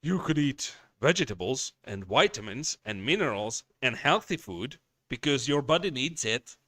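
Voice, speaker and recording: A man's voice: mid-range voice, lively intonation, normal speed, sharp tone, no room sound, clean studio sound. A man hosting a casual livestream, chatting with viewers, reading their messages and swearing bluntly as he rambles. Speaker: livestream host.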